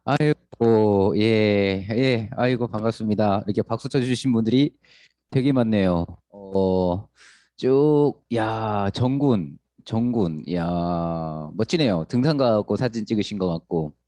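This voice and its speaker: A man's voice: on the low side, slow, no echo. A man speaking as a group leader and guest speaker, effusively greeting each participant on a video call. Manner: warm and effusive, greets people one by one.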